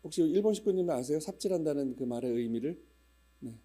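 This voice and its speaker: Middle-aged man, pastor, humorous church storytelling, very dark timbre, faint mains hum. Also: on the high side, animated, quick pace. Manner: chatty, humorous storytelling with regional dialect imitations. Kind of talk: casual church announcements before a sermon.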